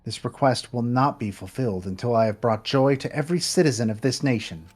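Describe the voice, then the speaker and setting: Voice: mid-range voice, brisk, a little mellow, soft background music, natural voice. A streamer voicing a composed young maid, a woman desperate to survive, reading game dialogue with formal, stiff diction. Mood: resolute.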